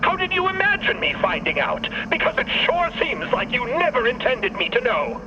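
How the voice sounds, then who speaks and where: A haughty, vengeful robot in an audio drama. The voice is high and swoops widely, with precise, cutting words. It comes through a thin robotic radio filter. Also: male voice, very animated, normal speed, dull audio, noisy background. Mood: furious, wounded. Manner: pompous, cutting, precisely worded. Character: haughty, indignant male robot, vengeful and wounded.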